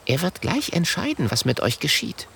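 A man voicing a calm young tribal girl who speaks in a hushed way, in a storybook reading. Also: high voice, a little slow, creaky, slight background noise, pitched above the performer's own voice, full character voice.

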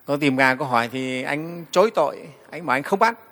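A man, a Buddhist monk giving a storytelling dharma talk to the assembly, often pausing on "đấy". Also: fairly high pitch, a bit bright, big-room sound. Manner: storytelling, frequent "đấy" fillers, addresses the assembly.

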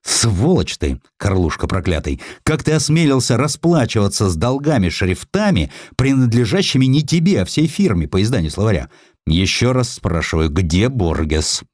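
A shrewd, combative editor from an audiobook historical tale, acted by a man. He speaks emphatically and forthrightly, with a fairly low, animated voice and dry sound. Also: normal speed, no echo. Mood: furious. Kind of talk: audiobook character acting.

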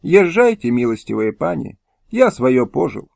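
A man's voice: mid-range voice, sing-song, measured pace, gravelly, darkish tone, no room sound. A man voicing an old, poor male Jewish tailor who talks in a weary, resigned, pleading way in a historical audiobook. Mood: sorrowful. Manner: pleading, sorrowful.

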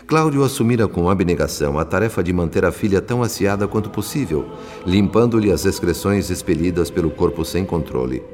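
A man with a Brazilian accent narrating a radio soap opera in a measured, solemn, dramatic way. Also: low voice, big-room sound. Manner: measured, solemn, literary phrasing.

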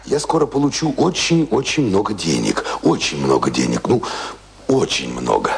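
An actor in a radio drama playing an earnest, tormented struggling writer in love, with a husky, gravelly voice and intense, halting delivery. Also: male voice, low voice, sing-song, exaggerated voice. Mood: earnest, pained. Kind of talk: dramatic radio play acting.

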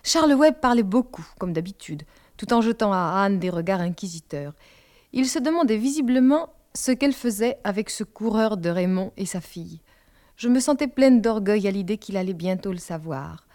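A woman reads a novel aloud in an expressive yet measured way. Her pitch sits in the middle of the usual range. The delivery is that of a scripted audiobook narration. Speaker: audiobook reader.

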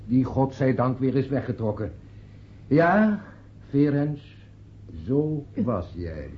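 An actor in a radio play voicing a sentimental friend giving a solemn funeral eulogy, declamatory and deliberate with dramatic pauses. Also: male voice, medium pitch, big pitch swings, a little hiss or hum. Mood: solemn, tender. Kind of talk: Dutch radio drama acting. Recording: dull, muffled radio play recording.

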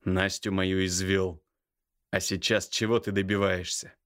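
A seething older brother in an audiobook, voiced by a male reader close to his own low voice. He growls slow, menacing threats with open contempt. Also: level tone, a bit bright. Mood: furious, menacing. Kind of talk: audiobook character voice.

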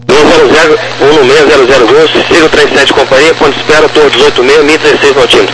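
A man's voice: fairly high pitch, steady tone, quick pace. A man working as an air traffic controller, giving procedural instructions over a crackly, military-style radio. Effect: crackly military-style radio transmission. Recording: noisy, humming aviation radio channel.

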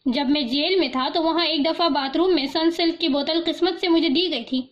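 A woman's voice: high voice, highs cut off, lightly acted. A woman voicing a pleading, heartbroken young man. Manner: pleading, worried.

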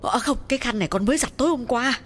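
A man's voice: extremely high pitch, very fast, fairly bright tone, voice pushed up. A man voicing a frightened young woman servant who exclaims and fusses over her injured mistress. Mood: alarmed. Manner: frantic, exclaiming, fussing.

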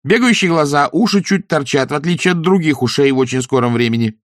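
A man voicing an impatient, fierce young woman witch in a storybook, with sharp commanding questions. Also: fairly high pitch, animated, fast talker, no echo, clean studio sound, voice pushed up, lightly acted. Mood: cold.

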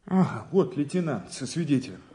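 A doubting police investigator in an audio drama. The voice is very rough and husky, lively in pitch, pressing each question and repeating words insistently. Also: male voice, fairly quick, exaggerated voice. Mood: doubtful, troubled.

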